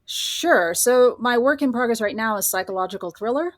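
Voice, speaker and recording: A woman's voice: a little high, animated, moderate pace. A woman speaking as a podcast guest, a writer and professor, giving articulate, explanatory answers in a conversational interview.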